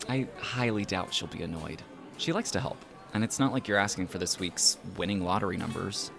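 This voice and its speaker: A man's voice: low-pitched, fairly quick, gravelly, music in the background. An actor playing an easygoing young man who jokes and reassures his friends in an audio drama, speaking casually. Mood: easygoing, reassuring. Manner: casual, joking. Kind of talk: acted dialogue in an audio drama podcast.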